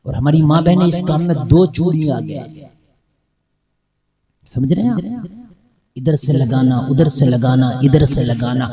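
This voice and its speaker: A man preaching a sermon at a religious gathering, chanting repeated refrains and rising to impassioned shouts. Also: fairly high pitch, measured pace, pauses often. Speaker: mufti preacher. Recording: loud crowd behind.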